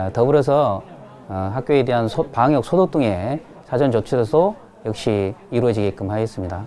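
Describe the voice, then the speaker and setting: There is light background noise. A man talks over it at a moderate pace. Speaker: education office official. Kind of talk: official interview statement. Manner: formal. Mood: calm, official. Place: office.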